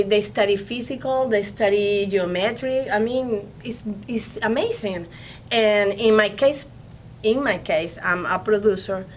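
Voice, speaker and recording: Venezuelan lady talking about her producer job, kinda high voice, stops n repeats a lot, faint rumble behind. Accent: Venezuelan Spanish. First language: Spanish. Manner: halting English with many restarts and repeated words. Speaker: film producer guest. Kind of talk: casual interview talk. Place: studio.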